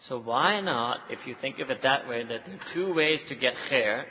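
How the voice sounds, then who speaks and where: A man with a South Asian accent preaching to a live audience as an animated storyteller, often checking in with listeners. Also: medium pitch, normal speed, slight background noise. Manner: animated storyteller, switching languages, with rhetorical check-ins. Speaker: Muslim preacher. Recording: echoey hall, dull muffled sound.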